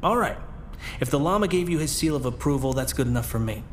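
Man playing a higher-voiced, world-weary police commissioner. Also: animated, fast, slight background noise, lightly acted. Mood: wry, frank. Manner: sardonic, commanding, informal. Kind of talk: pulp radio drama acting.

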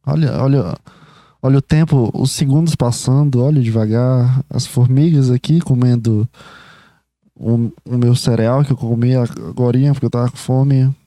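Young man, podcast host, excitable and loose-tongued, mellow dark tone, dry close sound. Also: medium pitch, normal speed, no room sound. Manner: excitable, talks to the listener directly, swears casually. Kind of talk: rambling casual monologue.

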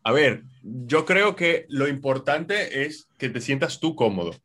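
A man from Spain with a Spanish accent, a communication trainer giving measured, instructive answers in an interview over a video call. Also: medium pitch, expressive, a bit bright. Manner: measured, instructive, slows down on key words.

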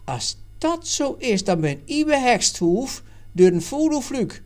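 A man reading aloud and voicing Jan, an adult man and worldly former trader who explains things earnestly and loudly. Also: extremely high pitch, big pitch swings, slow pace, pitched above the performer's own voice, exaggerated voice.

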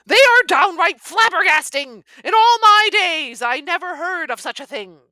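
A woman reading aloud and voicing an excitable rustic male country policeman who bursts out in gushing exclamations. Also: moderate pace, dry recording, full character voice. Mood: exclaiming. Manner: booming, gushing outbursts.

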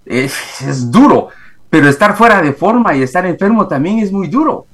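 A middle-aged man from Guatemala, speaking with a Guatemalan Spanish accent on a video call from home, telling his story haltingly with many fillers and restarts. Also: high-pitched, big pitch swings, fairly bright tone. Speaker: guest, executive coach. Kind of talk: remote interview, reflective storytelling. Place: home, in the morning.

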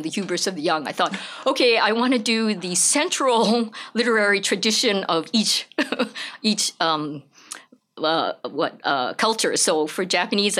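Chatty woman with a lowish voice. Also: fairly bright tone. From Hawaii. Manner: chatty, with frequent fillers and light laughs. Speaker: professor of Japanese literature. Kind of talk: casual interview talk.

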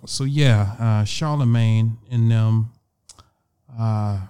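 A man's voice: fairly low pitch, takes it slowly, warm tone, clear, resonant tone. A young man hosting a casual podcast chat, laid-back and chuckling, with lots of fillers. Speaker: podcast host.

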